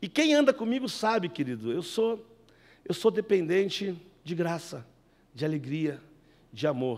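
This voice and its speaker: With long, frequent pauses and a fairly slow pace, a man talks in a high pitch, his voice swinging very widely in pitch over a very clean recording with a silent background. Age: 40s. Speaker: missionary preacher. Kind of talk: sermon. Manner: animated.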